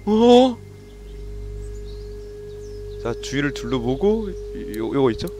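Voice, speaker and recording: A man streaming a video game live, commenting in an excitable, jokey way, often yelling and swearing. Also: on the high side, slow pace, noisy background.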